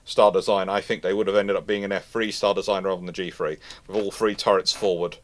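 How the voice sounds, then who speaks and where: A man's voice: low-pitched, level tone, quick pace, a little hiss or hum. A British man hosting a live question-and-answer stream, giving informal, discursive and opinionated expert commentary with repeated points. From United Kingdom.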